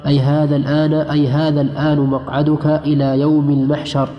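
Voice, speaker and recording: Man reading in a flat monotone. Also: on the high side, fairly quick. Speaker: student reader. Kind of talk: reading texts aloud in a lesson. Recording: dull lo-fi recording in an echoey hall.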